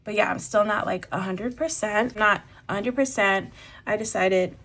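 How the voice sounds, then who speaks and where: A young woman budgeting out loud in a relaxed vlog voice-over, chatty and full of fillers, a little congested from a lingering cough. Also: medium pitch, moderate pace. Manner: chatty, thinks aloud with many fillers. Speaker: budgeting vlogger. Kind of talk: casual voice-over while cash stuffing.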